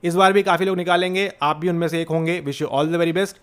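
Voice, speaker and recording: A man's voice: fairly high pitch, fairly even intonation, fairly quick, clean tone. A man giving a motivational exam-prep lecture as a coaching teacher, urgent and exhorting, checking in again and again with his students. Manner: urgent, exhorting, repeats "theek hai?" often.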